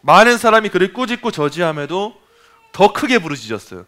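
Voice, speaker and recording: A man preaching a sermon at a Friday evening prayer meeting, emphatic and animated, acting out voices. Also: sits high, fairly quick.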